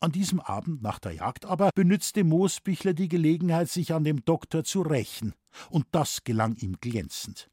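A man with a Bavarian accent reading an audiobook story in a relaxed, wry storytelling manner. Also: fairly high pitch, normal speed, slightly rough, no echo, clean studio sound. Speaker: audiobook reader. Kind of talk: audiobook narration.

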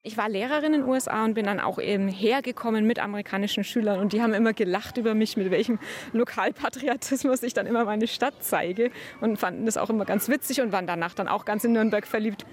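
A woman's voice: mid-range voice, fast talker, a little hiss or hum. A woman, a former teacher, talking chattily and proudly in an interview.

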